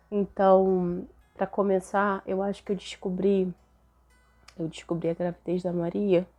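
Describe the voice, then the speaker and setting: Hoarse and a bit nasal from a cold, a young Brazilian host of a faith channel chats casually to camera with a Brazilian Portuguese accent. Her mid-range voice is mellow, and she often tags her sentences with questions.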